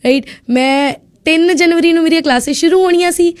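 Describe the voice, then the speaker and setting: High-voiced young woman telling her story. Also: fast. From India. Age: young adult. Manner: lively storyteller who acts out quoted speech. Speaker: radio guest, international student. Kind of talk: casual storytelling interview.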